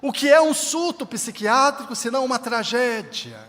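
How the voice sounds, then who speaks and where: Animated preacherly man in a reverberant hall. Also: extremely high pitch, moderate pace. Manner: emphatic, preacherly, quotes scripture. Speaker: spiritist speaker. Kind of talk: spiritist lecture. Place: large event hall.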